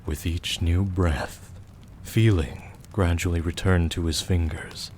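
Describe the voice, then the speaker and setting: A man narrating a scripted audio drama in a measured storytelling manner. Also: low voice, fairly even intonation, darkish tone. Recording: faint background noise.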